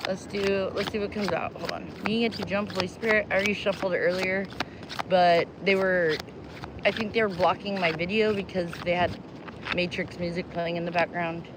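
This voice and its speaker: A woman's voice: lowish voice, steady tone, normal speed. A woman from New Mexico chatting casually on a live stream outdoors at the beach, greeting viewers and rambling between tarot readings. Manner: chatty, bubbly, rambling, laughs easily. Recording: outdoor phone audio, loud wind noise. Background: wind and loud outdoor noise.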